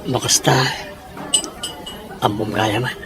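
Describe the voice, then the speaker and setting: A man's voice: lowish voice, steady tone, slow pace, music in the background. A man with a Filipino accent playing a devoted, reassuring young boyfriend in a radio drama. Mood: earnest, reassuring. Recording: noisy ambience with clinking. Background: crowd-like noise, clinks.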